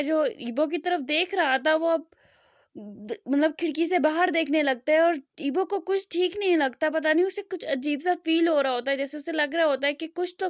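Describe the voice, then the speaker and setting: A woman with a high, clear voice retells a love story in a loose, chatty way. She rambles and restarts, padding lines with fillers, recorded close and dry with no room sound. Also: dry recording. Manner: rambling, with many fillers and self-corrections.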